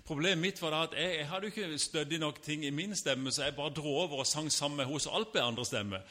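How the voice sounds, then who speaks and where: A man's voice: fairly high pitch, bright, forceful tone. A man in his fifties preaching a sermon in a casual, personal way, with frequent fillers and restarts. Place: church hall. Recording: church hall reverb.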